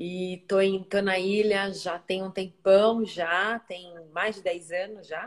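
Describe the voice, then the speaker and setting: A woman speaks very slowly at medium pitch, monotone and flat, with hardly any pauses. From Brazil, São Paulo city. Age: 40s. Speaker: body analysis specialist. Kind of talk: casual interview on live stream.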